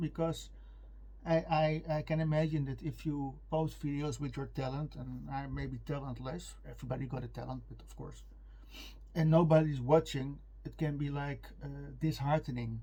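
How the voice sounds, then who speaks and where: In a Dutch accent, a man talks at a moderate pace with big swings in loudness. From Netherlands. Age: 40s. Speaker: vlogger and cook. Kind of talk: casual vlog talk to camera. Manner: hesitant, many fillers.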